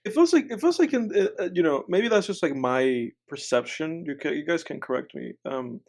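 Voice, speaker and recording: A man's voice: on the high side, animated, fairly quick. A young man from the Republic, co-hosting a casual podcast chat over a remote call, talking in a rambling, hedging way full of fillers. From Dominican Republic. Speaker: podcast co-host.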